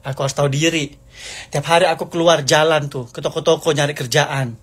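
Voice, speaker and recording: Husky guy venting angrily at the camera, keeps repeating himself, pitch sits kinda high. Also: fairly even intonation, a little fast, fairly bright tone. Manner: heated, accusing, repetitive. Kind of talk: angry rant to camera.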